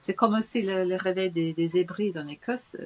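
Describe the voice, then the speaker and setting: A woman speaks with a British accent. Her pitch is medium, with ordinary variation. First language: English (speaking French). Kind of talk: testimony interview. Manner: halting, many hesitations.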